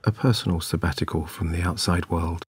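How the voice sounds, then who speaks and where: Very deep-voiced man guiding meditation. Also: fairly even intonation, no room sound. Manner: soothing, gentle, measured delivery. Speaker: hypnosis and meditation guide. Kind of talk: guided sleep meditation, scripted narration. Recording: clear background ambience of waves. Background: relaxing ocean wave sounds.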